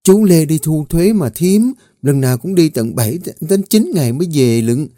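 A man's voice: lively intonation, moderate pace, mellow, no room sound, clean studio sound, natural voice. A man voicing a playful, teasing young maid in a spoken story, in a raised, bubbly voice. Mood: chatty. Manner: high, bubbly, scolding teasing.

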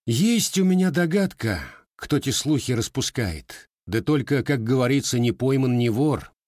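A man's voice: medium pitch, animated, measured pace, darkish tone, no room sound, voice pushed up, close to an everyday voice. A man voicing a proud young village armorer who talks in a dry, curt, mocking way. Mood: calm.

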